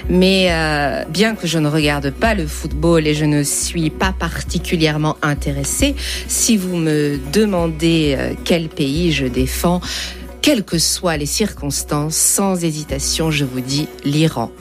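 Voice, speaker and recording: A woman giving an interview, speaking thoughtfully with frequent pauses and hesitations. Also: deep voice, soft background music. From Germany. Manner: slow, thoughtful, pausing with hesitations. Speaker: interview guest. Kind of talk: radio interview answers.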